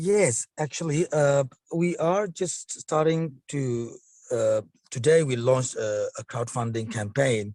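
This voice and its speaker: Against a quiet background, a man with a non-native accent talks fairly slowly in a somewhat breathy voice, the sound dry and close with no echo. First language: not English. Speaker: community advocate, foundation head. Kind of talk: podcast interview. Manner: halting, many fillers.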